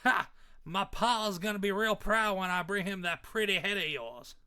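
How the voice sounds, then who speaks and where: A man's voice: high voice, normal speed, bright, forceful tone, smooth, voice pushed up, full character voice. A man voicing a cocky half-vampire, half-werewolf redneck villain with a put-on Southern accent, taunting as he reads a comic book aloud. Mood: gloating. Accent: put-on American South. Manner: taunting, drawling threats.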